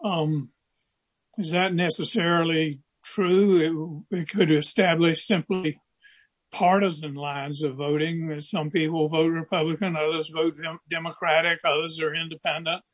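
High-pitched man presiding as a judge. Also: level tone, unhurried, dull audio. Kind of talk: formal questioning from the bench.

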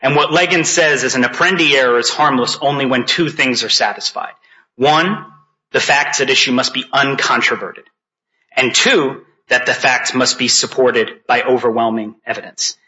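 A man's voice: medium pitch, normal speed, bright, forceful tone. A man, a lawyer, delivering a formal oral argument and addressing the bench deferentially. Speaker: appellate lawyer. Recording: dull lo-fi courtroom audio.

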